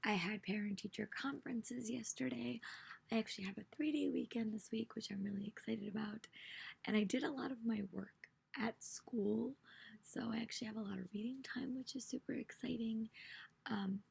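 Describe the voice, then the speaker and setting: Hoarse young woman chatting about books. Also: a little high, normal speed, a little mellow. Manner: chatty and rambling, frequent "um" and "really". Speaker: book vlogger and teacher. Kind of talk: casual reading vlog to camera.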